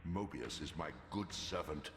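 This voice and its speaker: Deep, echoing ancient god-creature. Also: male voice, expressive, a little slow. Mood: ominous warning. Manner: pompous, commanding, formal. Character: ancient omnipresent male god-creature, imperious, menacing, domineering. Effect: cavernous reverb. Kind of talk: grandiose gothic video game dialogue. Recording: long echoing reverb under loud music.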